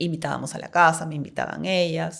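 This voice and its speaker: This woman's fairly low voice stays monotone, with flat intonation throughout. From Peru, Lima. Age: 50s. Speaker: author. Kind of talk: interview.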